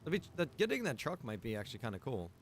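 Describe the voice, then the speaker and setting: A man giving casual livestream commentary on a game, rambling and thinking out loud. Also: medium pitch, wildly swooping pitch, fast, a little hiss or hum. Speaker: game streamer.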